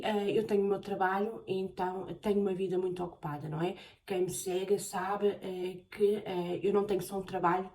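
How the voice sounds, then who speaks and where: A woman from Portugal with a European Portuguese accent, chatting casually in a question-and-answer vlog, often pausing on filler sounds. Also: on the low side, dark tone. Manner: hesitant, many filler sounds. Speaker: vlogger. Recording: voice a bit far from the mic.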